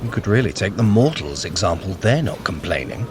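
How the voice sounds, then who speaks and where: Brief: a scheming trickster god for an audio adventure, deep but highly varied in pitch, haughty, dry, condescending. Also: male voice, sing-song, a little fast, noisy background. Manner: haughty, dry, formal old-fashioned phrasing. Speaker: fitness workout guide character. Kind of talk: scripted audio adventure acting.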